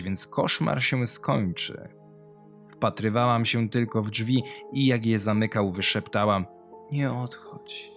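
A man's voice: on the low side, gravelly, fairly bright tone. A man voicing a cold young woman killer who recounts her past in a confessional, menacing way in a horror story. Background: music.

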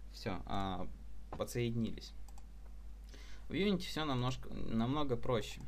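A man's voice: lowish voice, slight background noise. A man recording an unscripted programming tutorial over a screen capture, explaining code step by step with frequent fillers and restarts.

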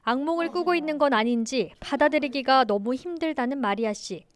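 A woman reporter narrating a news story in a measured, scripted reading. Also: high-pitched.

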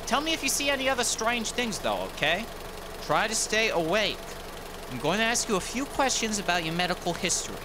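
An actor playing a calm emergency rescuer in an audio drama, asking questions in a reassuring way. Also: male voice, sits high, brisk, noisy background. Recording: loud idling vehicle engine behind.

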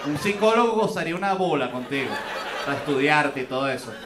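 A man's voice: on the high side, lively intonation, fast talker, far from the mic. A man in his forties with a Venezuelan accent doing crowd-work stand-up comedy, teasing audience members in playful banter. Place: theater stage. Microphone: handheld microphone. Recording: roomy stage sound, audience noise.

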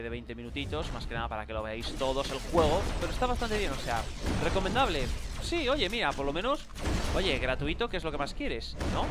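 A man with a Spain Spanish accent giving casual gameplay commentary, rambling with fillers and bursting into loud exclamations. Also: mid-range voice. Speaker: gaming channel host. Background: game music.

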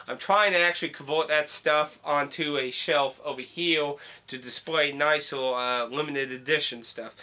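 Bright-voiced young man rambling casually. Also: fairly high pitch, steady tone, moderate pace, hardly any pauses. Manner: rambling, many fillers and restarts. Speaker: video game collector vlogger. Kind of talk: casual unboxing vlog. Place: home room with wall shelf.

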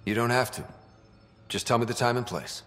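An actor playing a loyal, easygoing young human space explorer in a video game, plainspoken and supportive. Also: male voice, mid-range voice, moderate pace, fairly bright tone, close to an everyday voice. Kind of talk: cinematic video game acting.

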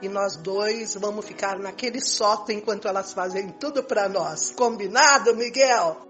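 A woman's voice: medium pitch, moderate pace, fairly bright tone, faint music behind, lightly acted. An older woman playing a possessive, wry lover in an amateur radio soap opera, coaxing as she talks.

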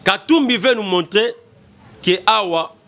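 A man's voice: high-pitched, a little slow, slight background noise. A man in his thirties with a Congolese accent, giving impassioned political commentary into a desk mic in a small studio, emphatic and repetitive. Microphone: desk mic in front.

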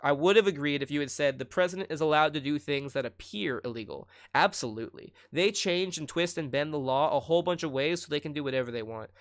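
Blunt young man, higher-pitched voice. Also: fast, hardly any pauses. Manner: blunt, presses for precise wording, swears casually. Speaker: host. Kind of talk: heated casual debate. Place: small room indoors. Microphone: webcam on a video call.

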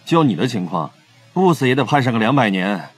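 Cocky young cop in an audio drama, teasing, rough voice, pitch moves a lot. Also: male voice, big pitch swings, fairly quick, soft background music. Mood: mocking. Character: cocky, teasing young male police detective.

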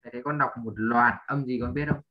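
A man's voice: medium pitch, fairly even intonation, fast, lo-fi sound. A man teaching an English lesson to a child, drilling sounds patiently, spelling letters one by one and often checking understanding.

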